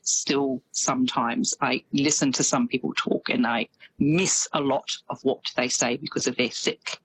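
A woman's voice: extremely low pitch, steady tone, unhurried, a little hiss or hum, poor audio. A woman correspondent with an Australian accent touched by New Zealand, chatting easily on radio and laughing often. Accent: Australian with some New Zealand.

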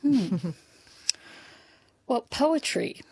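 A woman interpreting a deaf poet's signing into speech in the first person, measured and reflective, pausing between phrases. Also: high voice, sing-song, gravelly, a little mellow, husky, no room sound. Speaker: sign language interpreter voicing a deaf poet.

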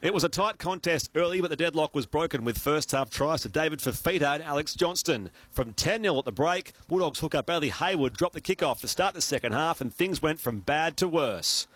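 A man with an Australian accent reading a scripted sports news report with a measured, formal delivery. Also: on the high side, lively intonation, a bit bright, no room sound.

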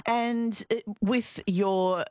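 A woman hosting a radio interview, chatty with quick asides and many listening murmurs. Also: medium pitch, fairly even intonation, a little mellow, no room sound. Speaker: radio host. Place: radio studio.

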